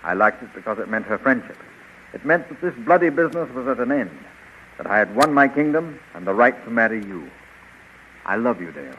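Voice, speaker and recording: An actor playing a brave, ardent and protective young space hero in a 1930s radio serial. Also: male voice, medium pitch, expressive, a little fast, close to an everyday voice. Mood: tender. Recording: noisy, dull 1930s radio recording.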